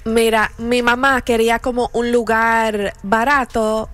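A woman's voice: on the high side, flat delivery, measured pace, fairly bright tone. A young woman from New Jersey, chatting as a singer guest in a casual interview, bubbly and mixing in English words. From New Jersey, USA. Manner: bubbly, says "mi amor", mixes English words.

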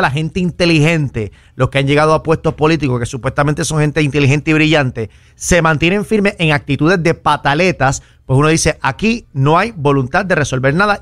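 A man's voice: a little high, fairly bright tone, no echo, studio quality. A man hosting a talk radio panel, commenting in an indignant, preachy way.

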